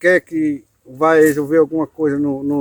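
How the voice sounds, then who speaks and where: Very slowly, a man talks at a fairly high pitch, the sound dry and close with no echo. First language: Kayapó (Mebêngôkre) (speaking Portuguese). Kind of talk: political statement. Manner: halting, many repetitions and fillers.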